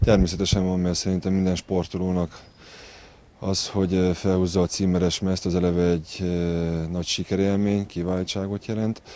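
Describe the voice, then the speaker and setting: The tone is dark and mellow, with monotone, flat intonation. The sound is dry, with no echo. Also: man, very deep, low pitch for a man, moderate pace. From Hungary, Nyíregyháza. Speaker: former volleyball player. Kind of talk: interview. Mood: calm, earnest. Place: garden. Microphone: handheld.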